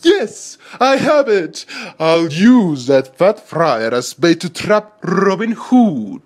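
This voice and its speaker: A man's voice: high voice, very animated, slow pace, exaggerated voice. A man voicing a scheming, petulant lion prince from a cartoon, theatrical and pompous. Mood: gloating, scheming. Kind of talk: cartoon voice impression.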